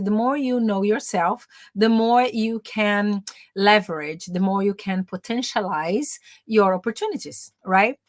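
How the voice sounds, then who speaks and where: A woman from Brazil leads a bilingual English and career lesson. Her voice sits at a middle pitch and is recorded close in a dry room. She moves between Portuguese and English and keeps asking her viewers questions. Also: no room sound. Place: lives in the UK.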